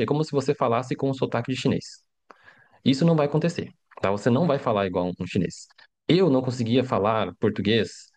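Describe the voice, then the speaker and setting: A middle-aged man with a mid-range, darkish voice leads a live online Mandarin lesson. He's relaxed and talkative, regularly checking in with the class and ending lines with tag questions.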